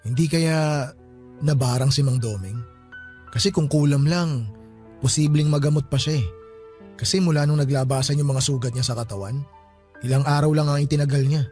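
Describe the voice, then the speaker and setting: A man's voice: on the high side, normal speed, pauses often, a little mellow, close to an everyday voice. An actor playing a superstitious young man at a wake in a radio drama. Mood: somber. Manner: casual, superstitious talk. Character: young man friend at a wake, jumpy, sees spirits. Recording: faint music under the voice.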